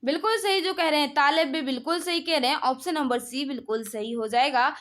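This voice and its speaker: A woman teaching a live exam-prep quiz class, reading out questions and confirming answers with brisk, repeated set phrases. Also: high-pitched, a bit bright.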